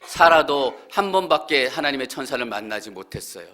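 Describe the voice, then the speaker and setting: A male pastor giving an earnest sermon, growing louder and more fervent as he voices heartfelt prayers. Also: medium pitch, lively intonation, a little fast. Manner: earnest preaching, swelling louder when voicing prayers.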